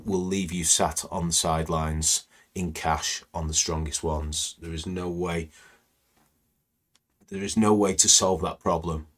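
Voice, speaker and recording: A man with a very low, deep voice talks through market charts on a live stream. His voice is croaky and slightly hoarse. He rambles casually, leaning on "you know" between thoughts. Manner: conversational, rambling, many "you know" fillers. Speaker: trading educator hosting live stream. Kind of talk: live market screening commentary.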